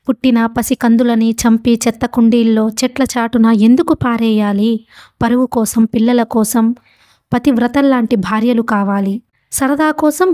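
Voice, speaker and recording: A woman's voice: a little high, a little mellow, lightly acted. A woman voicing a tall young man in a storybook reading, accusing and reproachful.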